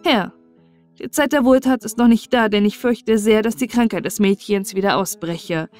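A woman's voice: medium pitch, moderate pace, a little mellow, soft background music, lightly acted. A woman voicing a young prince who poses as a wise, solemn astrologer, in formal, declaiming storybook speech. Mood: grave, advising.

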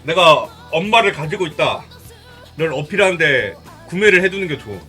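A man's voice: on the high side, sing-song, normal speed, sharp tone, soft background music. A man live-streaming, chatting casually about a game in a teasing, joking manner with crude slang. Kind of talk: casual chat while showing a game.

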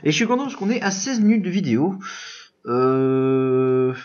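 A man talks through his gameplay casually in a high, animated voice. His pitch jumps around, and he keeps breaking into frustrated outbursts when the game lags. The recording sounds dull and lo-fi. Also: moderate pace. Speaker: let's play gamer.

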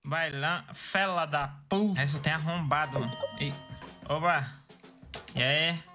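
A man's voice: on the high side, measured pace, over music. A young man playing a voice-chat game, joking around and teasing the strangers he meets. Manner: goofy, teasing strangers, repeating words for laughs. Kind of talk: casual gameplay commentary.

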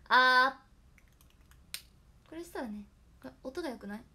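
A hoarse young woman chatting casually on her livestream, thanking viewers by name for their gifts. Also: sits high, expressive, racing, a little mellow, a little hiss or hum. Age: young adult. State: hoarse after a nap. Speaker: idol livestreamer.

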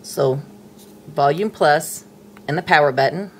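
A middle-aged woman talks through a hands-on tablet tutorial in a patient, chatty way. Her voice sits low, and a faint hiss runs under the indoor recording. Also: measured pace. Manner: patient, chatty, talks while handling the device. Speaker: tech tutorial presenter. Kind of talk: casual step-by-step tutorial. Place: indoors at a table, dim room.

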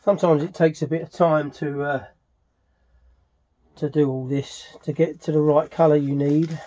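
A middle-aged man giving a casual hands-on tutorial as a restorer, haltingly thinking aloud as he works. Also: on the high side, little pitch movement, dark tone, dull audio. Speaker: furniture restorer demonstrating his work. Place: small cluttered indoor workshop.

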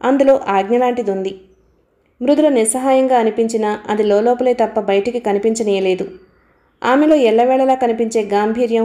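Woman audiobook narrator, steady storytelling, mellow, fairly high. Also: reverberant. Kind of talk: novel reading.

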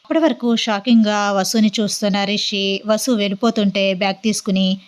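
A woman narrating a romance audio story, lively and acting out every character herself. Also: mid-range voice, fairly quick, clear, resonant tone. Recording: dull lo-fi recording.

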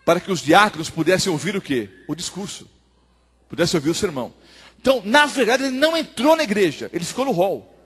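A male pastor with a high-pitched, slightly rough voice preaches a sermon to his congregation, sharing a testimony and acting out the dialogue. A long church hall reverb surrounds the recording.

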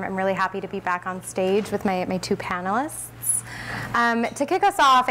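A young woman with a medium-pitched voice moderates a panel on stage. She is friendly and informal, a little hesitant, and there is faint noise behind her. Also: a bit bright. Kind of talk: semi-prepared opening remarks. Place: on stage in a conference room with an audience.

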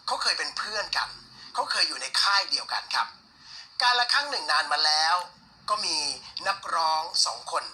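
A man presenting a story in a broadcast style, delivering it deliberately in short, pointed phrases. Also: on the high side, pushed and bright, poor audio.

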